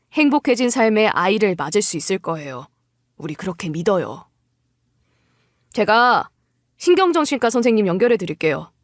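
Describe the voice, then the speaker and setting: Lady playing a caring doctor, gentle and encouraging, expressive pitch, dry sound. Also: dry recording, close to an everyday voice. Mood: reassuring. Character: caring, reassuring doctor speaking to an expectant mother.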